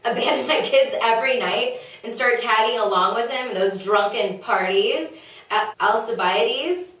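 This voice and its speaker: Woman as put-upon comic wife, griping and unsure of herself, slightly high voice, distant in a very reverberant room. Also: moderate pace, a bit bright, lightly acted. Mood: doubtful. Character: exasperated, henpecking young-to-middle-aged wife of Socrates, insecure. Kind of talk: comedic play table read. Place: echoey room, away from mic. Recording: very echoey room, distant mic.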